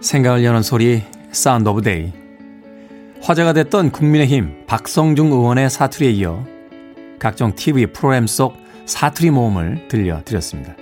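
Man morning radio DJ from Seoul, playful, pitch rising and falling freely, studio mic. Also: normal speed, soft background music. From Seoul, South Korea. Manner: lively, playful, chuckles between messages. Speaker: radio show host. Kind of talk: morning radio show, reading listener texts.

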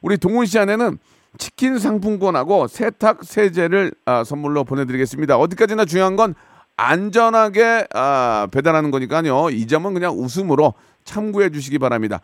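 A man's voice: on the high side, animated, brisk, no room sound, studio quality. A man hosting a radio call-in show, chatting jovially and teasing his callers. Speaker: radio host. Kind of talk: casual radio call-in chat. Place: radio studio.

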